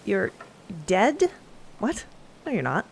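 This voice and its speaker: A woman's voice: medium pitch, huge pitch swings, takes it slowly, vocal fry, a little hiss or hum, full character voice. A woman playing an exasperated, intense female space explorer in an audio drama, blunt and emphatic. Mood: demanding.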